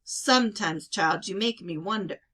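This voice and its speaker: A woman's voice: mid-range voice, sharp tone, slightly rough. A woman voicing a bossy, exasperated older sister from a village in a storybook reading. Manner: brisk, exasperated, commanding. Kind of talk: children's novel read-aloud.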